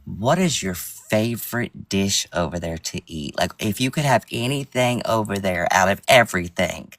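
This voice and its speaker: A man's voice: lowish voice, animated, normal speed, fairly bright tone, no room sound, recorded from a distance. A man calling into a live chat, asking the host chatty, curious questions. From Puerto Rican background. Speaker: caller. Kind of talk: casual chat.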